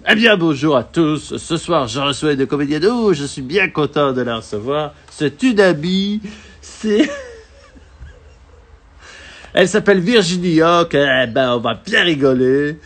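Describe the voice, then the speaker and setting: A man's voice: mid-range voice, moderate pace, few pauses, close to an everyday voice. A French man putting on a hammy Liège accent as a jovial show host. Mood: hammy cheerful. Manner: hammy, exaggerated accent imitation.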